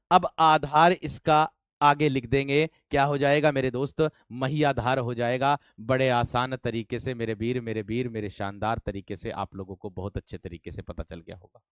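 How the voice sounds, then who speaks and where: A man's voice: on the high side, a bit bright, smooth, no echo, clean studio sound. Teacher man calling students "my brave one". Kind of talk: online class lesson.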